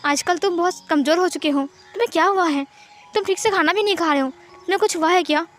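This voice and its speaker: A woman's voice: very high voice, fast talker, fairly bright tone, faint music behind. A woman voicing a caring but bossy young husband who questions firmly and insists. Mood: insistent.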